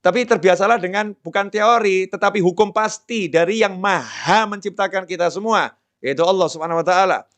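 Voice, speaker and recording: A middle-aged man preaching a conversational sermon, dropping to a softer, lower voice to act out prayers and dialogue. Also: fairly quick.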